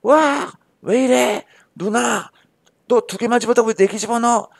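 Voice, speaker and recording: A man voicing a personified brain as a whiny, overwhelmed young male who complains that too much is coming in too fast. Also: very high voice, vocal fry, no echo, studio quality, voice pushed up, full character voice. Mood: whiny protest.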